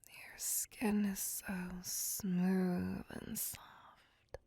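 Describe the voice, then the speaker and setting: A seductive, menacing female vampire, as a woman acts her out, whispering right at the ear in a slow, formal hush. Her breathy voice carries a gravelly fry, and the close recording is completely dry. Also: mid-range voice, flat delivery, no room sound, full character voice. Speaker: voice actor. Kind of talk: whispered ASMR roleplay.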